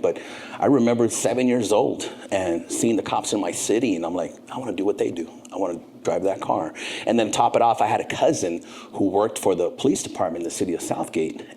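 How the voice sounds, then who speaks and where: A man in his fifties from Southern California, a podcast guest telling his life story in an earnest, animated way. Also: deep voice, a little hiss or hum. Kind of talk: casual interview storytelling.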